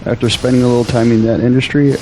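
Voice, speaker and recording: A man's voice: mid-range voice, fairly even intonation, quick pace, a little mellow, a little hiss or hum, lightly acted, poor audio. An actor playing an earnest, hopeful young Christian man in an audio drama. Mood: candid, polite. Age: young adult.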